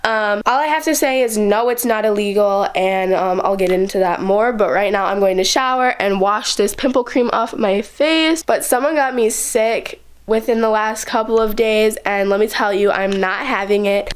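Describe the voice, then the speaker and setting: Rambling teenage girl vlogger with a cold. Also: mid-range voice. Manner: rambling, heavy use of "like". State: sick with a cold and sore throat. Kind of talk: casual chatty vlog. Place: bedroom indoors. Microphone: camera mic close in front of speaker.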